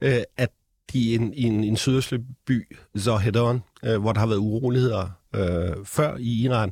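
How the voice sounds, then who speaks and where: Recorded very cleanly against a silent background, a man talks at a medium pitch with fairly even intonation. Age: 60s. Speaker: professor. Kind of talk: interview. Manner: halting.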